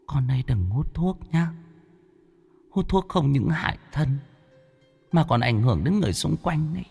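A man voicing the ghost of a mother in pain, speaking in a thin, faint, drawn-out moan. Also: a little high, expressive, creaky, darkish tone, long reverb tail, faint music behind, pitched above the performer's own voice. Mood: gentle warning.

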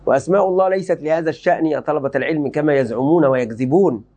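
A man's voice: a little high, rapid-fire, mellow. A man giving a religious lesson, explaining a book to students emphatically, repeating key phrases and checking they follow. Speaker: Islamic teacher.

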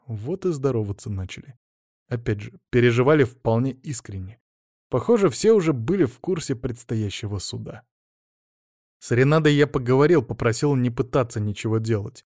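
Male narrator for a first-person novel, plain and even, mid-pitched, dry close recording. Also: no room sound. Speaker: audiobook narrator.

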